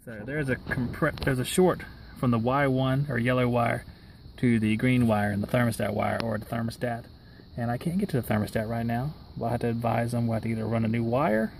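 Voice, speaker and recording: A man's voice: medium pitch, fairly even intonation, brisk, creaky, a little mellow. Young hvac guy explaining his work outside, plain middle voice, AC unit humming behind. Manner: matter-of-fact, explaining as he works. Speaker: HVAC technician. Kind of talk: on-the-job how-to narration. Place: outdoors beside a rooftop-style AC unit in a yard. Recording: outdoor camera audio with machine noise.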